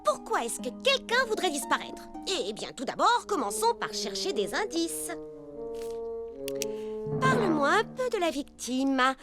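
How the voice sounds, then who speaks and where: An excitable cartoon sleuth, a young woman who throws herself into every case. Her voice sits very high and leaps around dramatically. Loud cartoon music plays under her lines. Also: unhurried. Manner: theatrical, dramatic exclamations. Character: Baba Hortensia, excitable young woman fancying herself a detective. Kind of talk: French cartoon dub.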